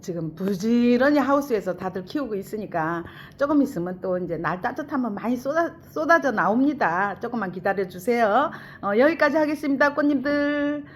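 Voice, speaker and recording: A chatty middle-aged woman with a slightly high voice runs a plant sale and keeps repeating her words as she speaks warmly to her regular viewers. Faint background noise hums under her voice. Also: animated, moderate pace, hardly any pauses. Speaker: plant seller hosting a sales stream. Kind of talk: casual sales chat.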